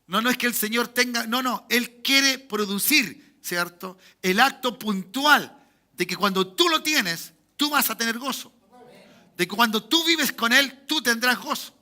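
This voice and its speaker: A Chilean man, a pastor with a Chilean Spanish accent, preaching a sermon in a church, swinging between loud emphatic peaks and quiet asides and asking the congregation for amens. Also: very high-pitched, measured pace. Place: church sanctuary.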